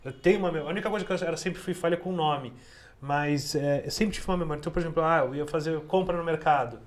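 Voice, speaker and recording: Podcast host guy, chatty and fast, a bit higher voice. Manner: chatty, self-referential. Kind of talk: casual podcast interview.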